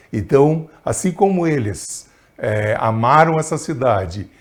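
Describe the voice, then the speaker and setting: A somewhat breathy man speaks at a fairly slow pace. The recording is very clean, the background silent. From southern Brazil, Lages, Santa Catarina. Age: 60s. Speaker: city councillor and physician. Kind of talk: interview.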